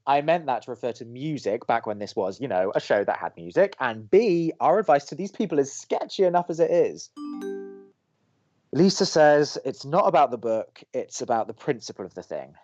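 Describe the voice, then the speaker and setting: A man acts a sardonic young college DJ in a radio comedy, exasperated and quick to defend himself. His pitch jumps around in animated fashion, recorded close and dry with a slightly muted tone. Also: no room sound, highs cut off, natural voice. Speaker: radio host. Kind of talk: bantering scripted college radio dialogue.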